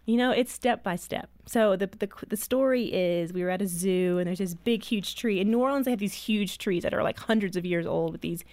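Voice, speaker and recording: A woman's voice: mid-range voice, fairly quick, hardly any pauses, a little mellow, no echo. Earnest storytelling mother, dry sound. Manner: earnest storytelling, emotional at times. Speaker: guest, author and mother. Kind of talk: interview conversation.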